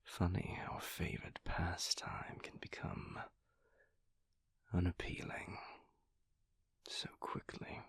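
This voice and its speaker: A man acts out a refined, seductive vampire lover for an intimate romantic audio roleplay. The voice is very low and mostly whispered, with a heavy gravelly creak. He speaks in a languid, weary way, lingering on formal phrases and leaving long pauses. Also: monotone, dry recording, full character voice. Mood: weary, brooding.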